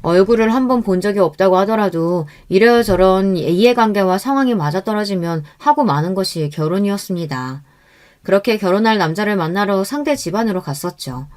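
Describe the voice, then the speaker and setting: Calm woman narrating a life story. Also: mid-range voice, a little fast. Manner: calm, even first-person recounting.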